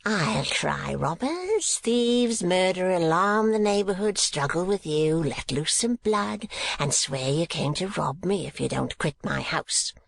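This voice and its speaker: Creaky, gloating old miser. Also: male voice, animated, measured pace, hardly any pauses, fairly bright tone, no echo, heavily acted. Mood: defiant threat. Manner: sneering, wheedling, shrill outbursts. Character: gloating, spiteful, lecherous old male miser. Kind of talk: dramatised audiobook reading.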